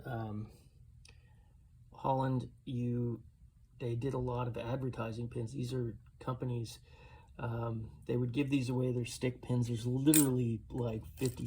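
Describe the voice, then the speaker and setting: Rambling and self-deprecating, an older collectibles reseller walks through his secondhand garage sale finds off the cuff, in a mellow, medium-pitched voice. The home recording is noticeably noisy and has clicks.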